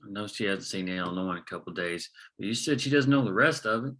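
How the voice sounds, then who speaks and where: A man's voice: fairly low pitch, animated, quick pace, fairly bright tone. A man playing a cautious, level-headed ally in a script read, reasoning in plain-spoken lines. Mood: concerned, steady.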